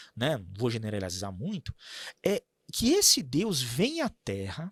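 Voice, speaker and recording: Somewhat breathy, a man speaks at a very slow pace with very wide pitch swings. The recording is very clean with a silent background, dry and close with no echo. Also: medium pitch for a man. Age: 40s. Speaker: professor. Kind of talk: podcast interview. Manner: halting, with many fillers.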